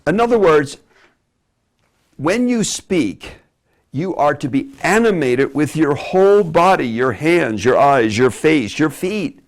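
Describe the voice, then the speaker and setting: A man giving a teaching lecture on preaching delivery, animated and demonstrative, dropping from loud emphasis to hushed asides. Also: fairly high pitch, unhurried, hardly any pauses. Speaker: Bible teacher.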